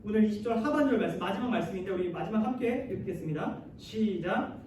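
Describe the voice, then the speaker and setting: A man's voice: high voice, lively intonation, fast talker, darkish tone, distant mic. A man preaching a sermon as youth pastor, addressing the listeners often with questions and leading them in reading scripture aloud, recorded in a large church hall. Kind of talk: sermon to high school students. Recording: very echoey hall, voice heard from afar, faint noise.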